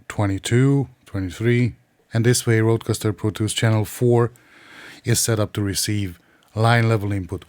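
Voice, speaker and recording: A man's voice: lowish voice, a little mellow, no echo. A man narrating an instructional tech tutorial in a methodical, precise, explanatory way. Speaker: tech reviewer and tutorial presenter.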